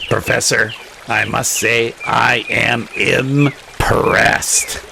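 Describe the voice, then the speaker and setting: A man's voice: medium pitch, fairly even intonation, extremely slow, gravelly, heavily acted. A man acting as a folksy, cooperative sheriff in an audio drama, plain-spoken and easygoing. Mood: impressed. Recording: noisy ambience behind audio drama dialogue.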